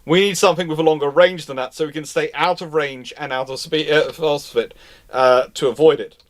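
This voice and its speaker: A man's voice: on the high side, steady tone, a little fast. A man hosting a live stream, chatting casually and answering questions in a rambling, self-interrupting way. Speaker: host of a naval history live stream.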